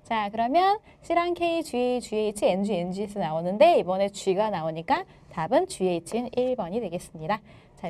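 A woman teaching an exam-explanation lecture, lively and playful, joking with her students. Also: mid-range voice.

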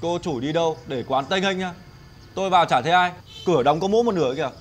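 An actor as a cheeky, fast-talking young village man. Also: a little high, loud music behind the voice, natural voice. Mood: offhand. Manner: cheeky, offhand. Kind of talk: TV drama acting.

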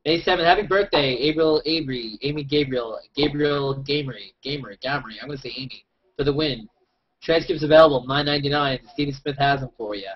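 A man's voice: mid-range voice, fairly quick. A man in his thirties hosting a casual group video chat on a headset, joking and rambling through the show's wrap-up. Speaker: host. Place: dark home room. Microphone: headset on video call. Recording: muffled lo-fi video call audio.

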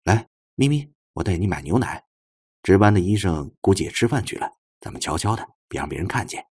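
A man voicing a gentle, tactful professor with a soft, courteous way of talking in an audiobook. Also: sits low, big pitch swings, fairly quick, slightly rough, heavily acted. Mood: kindly, coaxing. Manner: soft, courteous, probing questions. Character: gentle, polite, tactful male university professor.

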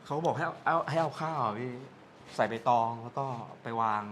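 A man's voice: medium pitch, fairly quick, a bit bright, slight background noise. A man animatedly retelling a spooky experience in casual talk, with vivid sound effects. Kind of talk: casual storytelling.

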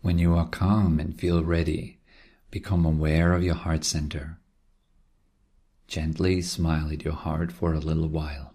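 A man with a low, husky voice leads a guided meditation. He speaks gently and calmly, leaving long pauses between short instructions. His tone often crackles with vocal fry. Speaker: meditation teacher. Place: quiet room.

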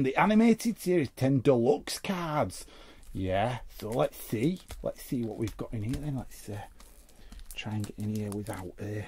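A man's voice: mid-range voice, vocal fry, darkish tone, a little hiss or hum. A man giving casual, chatty unboxing commentary as host, muttering and repeating short phrases to himself. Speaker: host of a trading card opening show.

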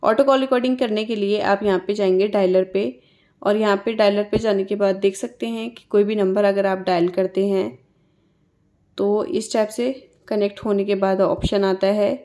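A woman's voice: mid-range voice, steady tone, normal speed, mellow. Indian woman giving a phone tutorial. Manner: instructional, conversational. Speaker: tutorial host. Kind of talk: casual step-by-step phone tutorial.

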